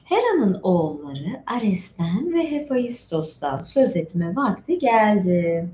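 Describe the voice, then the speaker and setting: A woman's voice: medium pitch, sing-song, slow pace, warm tone. A middle-aged woman hosting an informal storytelling stream, reading and retelling myths in a chatty, digressive way with asides. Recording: echoey room with faint background noise.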